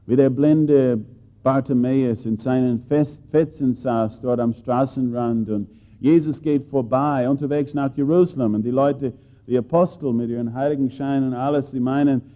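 A man preaching a sermon, swinging between loud bursts and hushed lines and putting questions to his listeners. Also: medium pitch, steady tone, normal speed. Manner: addresses listeners directly with questions. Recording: tinny phone-like audio.

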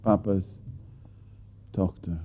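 A man preaching a sermon, swinging between loud bursts and hushed lines and putting questions to his listeners. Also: deep voice, steady tone, drawn-out words. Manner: addresses listeners directly with questions. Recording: tinny phone-like audio.

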